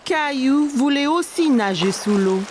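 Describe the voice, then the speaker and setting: A woman playing a gentle storyteller, narrating a scripted cartoon for small children. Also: high-pitched, animated, measured pace, heavy background noise. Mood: gentle, storytelling.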